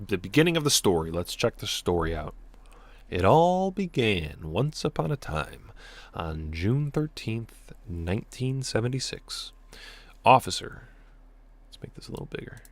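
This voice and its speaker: A man hosting a live stream, reading out a story and chat comments in a relaxed, offhand way. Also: fairly low pitch, a little slow, no room sound.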